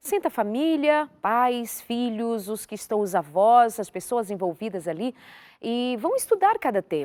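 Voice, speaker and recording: Her pitch is fairly high and swings very widely as this woman talks at a moderate pace. The sound is dry and close with no echo, in a very clean recording with a silent background. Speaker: TV show host. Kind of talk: live TV talk show presentation.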